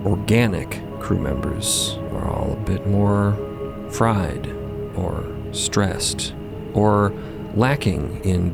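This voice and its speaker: A man narrating an audio drama in a wry, conversational storytelling manner with deliberate pauses. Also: deep voice, gravelly.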